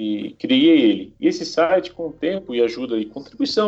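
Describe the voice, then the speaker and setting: Background music accompanies the speech. A man delivers his words at a moderate pace. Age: 40s. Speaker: publisher and horror fan site founder. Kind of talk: podcast interview.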